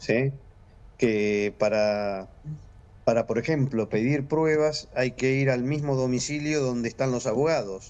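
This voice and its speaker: Ordinary pitch variation runs through a man's medium-pitched speech. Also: fairly slow pace. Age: 60s. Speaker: father of injured man. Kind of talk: interview. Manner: halting.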